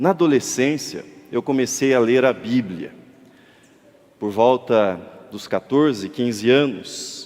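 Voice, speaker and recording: A man's medium-pitched voice, with ordinary pitch variation, moves very slowly with long, frequent pauses. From interior of Brazil (countryside, not São Paulo city). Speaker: pastor. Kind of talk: sermon. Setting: church.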